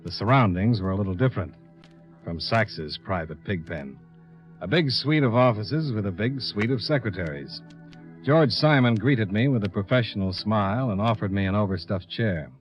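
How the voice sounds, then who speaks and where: A male actor as a wry American insurance investigator in an old radio detective serial. He is low-pitched and probing, with dry, clipped delivery. The recording is dull and lo-fi, like vintage radio. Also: animated, normal speed, faint music behind, natural voice. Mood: wry narration.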